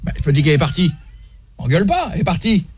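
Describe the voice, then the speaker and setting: A man's voice: fairly high pitch, big pitch swings, rapid-fire, a little mellow, husky. A man who hosts a radio show, teasing a couple on a prank phone call while posing as an old friend.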